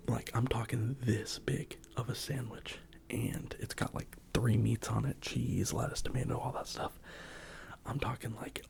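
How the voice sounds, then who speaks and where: Casting: American male ASMR creator, hushed whisper with some creak, casual meandering chat, close-miked. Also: medium pitch. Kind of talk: soft-spoken ASMR rambling, mostly whispered.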